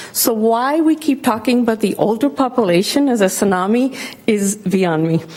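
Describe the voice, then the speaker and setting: The speaker uses lively intonation at a moderate pace, with very even loudness. Noticeable background noise is present. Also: woman, fairly high pitch for a woman. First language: not English. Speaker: professor. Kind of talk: public delegation to council committee. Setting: council committee meeting. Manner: hesitant, many fillers.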